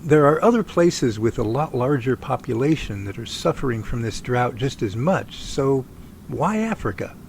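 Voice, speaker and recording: A man acting as an earnest, folksy research team leader in an audio drama. He speaks haltingly at a medium pitch, with noticeable background noise on the homemade recording. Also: lively intonation, creaky, a little mellow. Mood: explanatory, friendly. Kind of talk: amateur audio drama dialogue.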